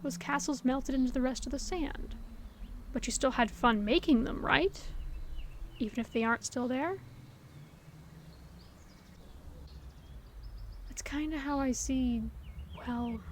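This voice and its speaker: A woman acting a gentle, hopeful best friend in an audio roleplay, talking to the listener in an earnest, reassuring, conversational way. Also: high voice, slight background noise. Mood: gentle, nostalgic. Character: gentle, hopeful female best friend comforting her secret crush. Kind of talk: scripted audio roleplay, intimate one-sided dialogue to the listener.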